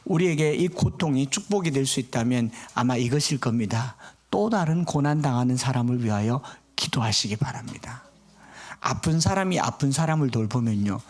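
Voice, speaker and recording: A middle-aged man preaching a sermon as pastor, earnestly voicing God's questions with rising force. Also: medium pitch.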